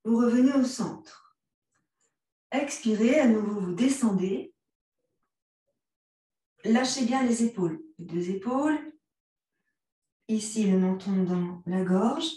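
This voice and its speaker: A woman with a French accent, gently guiding a yoga class with calm cues. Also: a little high, slow, pauses often. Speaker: yoga instructor. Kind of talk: guided yoga class instruction. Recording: very echoey room, voice from a distance.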